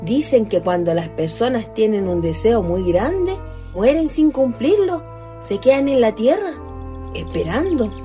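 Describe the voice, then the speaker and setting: A woman's voice: fairly high pitch, sing-song, unhurried, over music. An actress playing a shy, naive, wistful female ghost in a radio play, with a Chilean accent and a hesitant, girlish manner.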